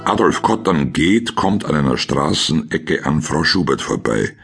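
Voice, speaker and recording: Ein Mann mit österreichischem Akzent und rauer Stimme, der sachlich und trocken die Szenen eines Krimi-Hörspiels erzählt. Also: male voice, a bass voice, animated, measured pace, music in the background. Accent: Austrian. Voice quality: gravelly, husky. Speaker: narrator of a crime audio drama. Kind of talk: scripted scene narration in present tense.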